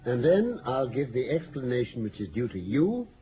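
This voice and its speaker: An actor playing a confident, precise detective with a British accent, lecturing articulately in vintage radio mystery style. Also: male voice, medium pitch, sing-song, moderate pace, mellow, lightly acted. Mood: assured, explanatory. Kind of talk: 1940s-50s radio mystery acting. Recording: noisy old-time radio recording.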